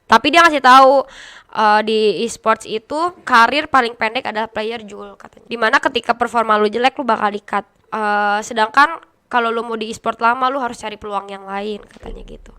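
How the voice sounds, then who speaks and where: A young woman talks as a podcast guest in a high, bright voice. She is chatty and blunt and laughs easily, and her tone stays smooth and clear throughout. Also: fairly even intonation, brisk. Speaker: guest, esports caster and streamer. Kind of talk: casual podcast interview.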